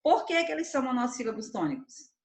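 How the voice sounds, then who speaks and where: A woman's voice: high-pitched, sing-song, fast, reverberant. A woman teacher giving a grammar lesson, explaining step by step and answering her own questions for the class. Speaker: Portuguese teacher.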